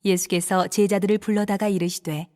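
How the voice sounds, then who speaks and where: Woman narrating scripture, even tone. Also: medium pitch, brisk.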